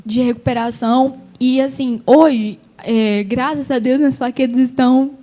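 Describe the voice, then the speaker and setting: High-voiced Brazilian woman giving testimony. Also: steady tone, moderate pace, mellow. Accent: Brazilian Portuguese. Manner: tells her story with feeling, fillers like "sabe?". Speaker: gospel singer and guest. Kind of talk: emotional testimony in a TV interview.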